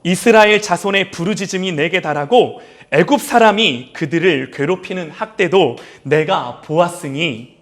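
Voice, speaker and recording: A man's voice: on the high side, a bit bright. A solemn commanding God, voiced by a male pastor. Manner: slow, solemn. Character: commanding God speaking to Moses.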